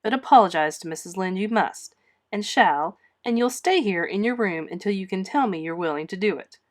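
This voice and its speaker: A woman's voice: mid-range voice, lively intonation, fairly quick, close to an everyday voice. A woman voicing a stern, dry elderly spinster guardian in a storybook, scolding firmly in clipped phrases.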